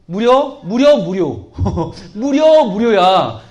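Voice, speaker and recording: A man preaching a playful children's sermon as their pastor, teasing and animated. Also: sits high, very slow.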